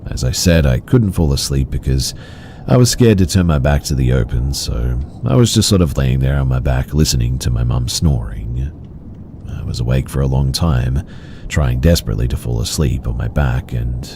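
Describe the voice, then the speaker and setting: A man narrating first-person horror stories in a slow, measured, somber way. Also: very deep voice, creaky, noisy background.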